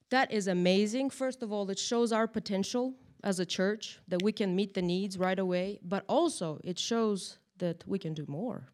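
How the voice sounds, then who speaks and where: A woman leads a church Bible lesson. She talks in a chatty, lively way and keeps checking in with her listeners. Her voice sits at an ordinary middle pitch for a woman. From Moldova. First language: Russian or Romanian. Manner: chatty, animated, tag questions. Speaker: Bible study teacher. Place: church room, in front of a group.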